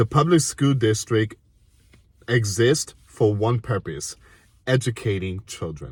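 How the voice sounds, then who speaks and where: A man at a fairly slow pace, somewhat breathy and fairly low in pitch, with lively intonation, on a very clean recording with a silent background. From Puerto Rico. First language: Spanish. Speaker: news commentator. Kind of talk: casual news commentary. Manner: repetitive, halting.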